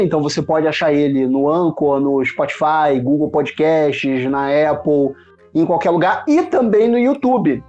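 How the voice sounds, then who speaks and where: A man with a fairly high voice and a Carioca accent chats informally in Rio street slang as a podcast guest. The phone recording is slightly muffled, with clear music playing behind him. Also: mellow. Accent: Carioca (Rio de Janeiro). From Rio de Janeiro, Brazil. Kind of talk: casual podcast chat. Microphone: mobile phone.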